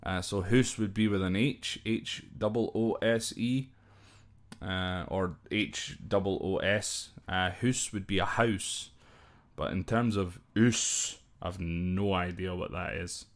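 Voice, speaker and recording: A man's voice: sits low, slow pace. A man with a Scottish accent casually explaining slang as a podcast host, informal and hesitant, often spelling words out. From Scotland.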